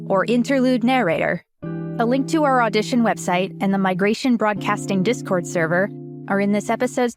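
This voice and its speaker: Woman announcer reading scripted audiobook credits, medium pitch, guitar music playing behind her.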